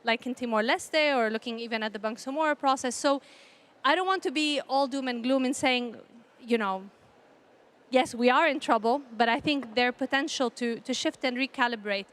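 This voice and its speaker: A woman from Palestine giving earnest, measured panel remarks in a formal style, often repeating phrases for emphasis. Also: high voice, fairly bright tone, clean tone. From Palestinian, grew up in a conflict country. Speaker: panel speaker, peace initiative representative.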